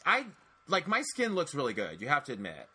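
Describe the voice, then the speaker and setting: A man in his forties hosting a podcast, telling stories in a chatty, animated way with lots of restarts. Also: mid-range voice, a little fast, noisy background. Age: 40s. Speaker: podcast host. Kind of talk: casual podcast chat.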